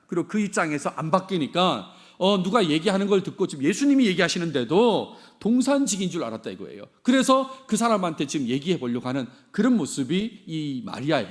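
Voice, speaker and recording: Middle-aged male pastor, fairly high voice, very animated delivery, echoes his key lines back to the pews. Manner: expressive, repeats key phrases, asks the congregation questions. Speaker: senior pastor. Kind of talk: sermon.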